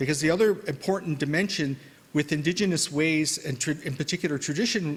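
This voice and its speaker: At a very fast pace, a man with fairly high pitch, ordinary pitch variation and a somewhat breathy voice talks. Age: 60s. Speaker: professor. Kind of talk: lecture. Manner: halting.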